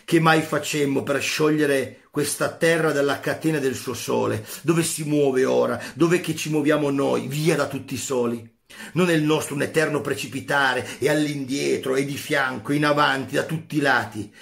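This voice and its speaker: A man voicing a frantic male madman who proclaims a dark prophecy, read aloud with rising cries. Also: mid-range voice, fairly even intonation, moderate pace, creaky. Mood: impassioned.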